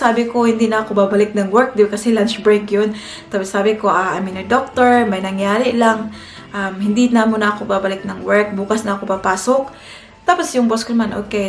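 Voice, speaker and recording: A young Filipina woman telling a personal story in a chatty vlog, often turning to her viewers. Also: medium pitch. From Philippines. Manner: chatty, keeps addressing viewers as guys. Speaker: family vlogger. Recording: echoey room with faint music.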